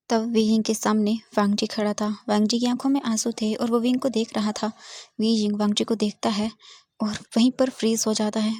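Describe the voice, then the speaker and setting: Woman narrating a story in a higher voice. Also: a little mellow, dry recording, studio quality. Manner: plain, explanatory storytelling. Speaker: fan fiction narrator. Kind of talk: casual story retelling.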